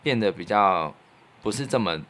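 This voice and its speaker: Casting: male podcast co-host, low voice, Taiwanese Mandarin accent, earnest and reflective casual storyteller. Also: lively intonation, normal speed, a bit bright. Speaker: podcast co-host and radio professional.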